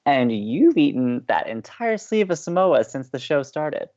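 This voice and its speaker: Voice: medium pitch, sing-song, unhurried, darkish tone, no room sound, muffled recording. An actor playing a playful, sociable college radio co-host who banters earnestly and teasingly with theatrical emphasis.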